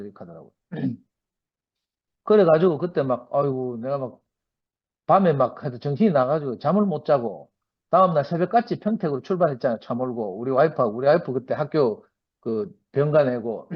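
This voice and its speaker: A middle-aged man with a Gyeongsang Korean accent gives a personal testimony at a church meeting. He tells his story in an animated way and acts out the dialogue. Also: mid-range voice. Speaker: church member giving testimony. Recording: dull lo-fi recording.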